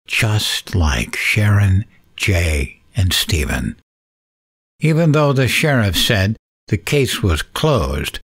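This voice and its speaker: Give the voice of a vengeful late-night radio host in an audio drama. He is low-pitched and unhurried, with theatrical swoops. He taunts deliberately, like someone driven mad by grief. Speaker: radio show host character.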